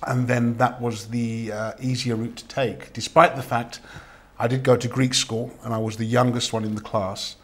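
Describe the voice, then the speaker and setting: A man's voice: mid-range voice, level tone. A man, born in Cyprus, chatting as an actor guest in an interview and telling stories with many fillers. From born in Cyprus, raised in London. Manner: quick, chatty, with frequent filler hesitations. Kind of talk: relaxed interview storytelling.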